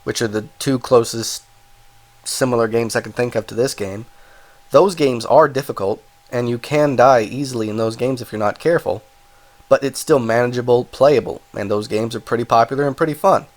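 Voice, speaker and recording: A man's voice: medium pitch, moderate pace. A man with a cold and a stuffed-up voice, casually reviewing a video game, rambling and correcting himself as he goes. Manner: rambling, self-correcting, apologetic asides. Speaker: game reviewer, channel host.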